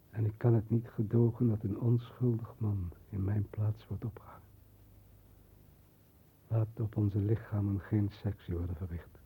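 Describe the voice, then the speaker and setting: An actor playing a doomed, down-and-out man reading out his confession, solemn, halting and resigned, in a 1960s radio drama. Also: husky, exaggerated voice. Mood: mournful, resigned. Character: doomed, down-and-out brother solemnly confessing in suicide letter. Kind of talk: 1960s radio drama, letter read as voice-over. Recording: muffled, noisy old radio recording with rumble.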